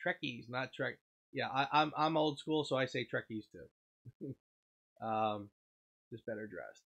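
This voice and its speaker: A man's voice: mid-range voice, a bit bright, lo-fi sound. Stuffed-up man chatting on a livestream. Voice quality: frequent throat clearing. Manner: rambling, reads and answers viewer chat. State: stuffed up, sniffling. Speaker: livestream host. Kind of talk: casual livestream chat.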